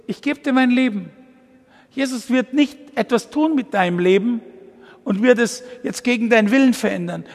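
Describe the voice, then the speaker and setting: A very high-pitched man in his sixties with a gravelly edge delivers a lively testimony sermon. He talks directly to the congregation, jumping between tangents with plenty of energy. His voice rings out with a long church reverb. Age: 60s. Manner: energetic, addresses listeners directly as du, digressive. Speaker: guest preacher.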